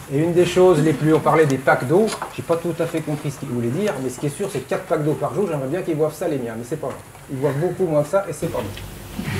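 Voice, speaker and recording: A man at a very fast pace amid light background noise and audible room echo. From eastern France. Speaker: company CEO. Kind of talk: conference talk. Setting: stage with audience. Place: hall. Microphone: lapel.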